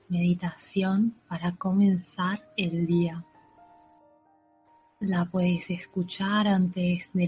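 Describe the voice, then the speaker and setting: A woman narrating a guided meditation in a soothing, unhurried way, with gentle pauses. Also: fairly low pitch. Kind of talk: slow guided meditation with affirmations. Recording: dull lo-fi audio with soft music. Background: soft background music.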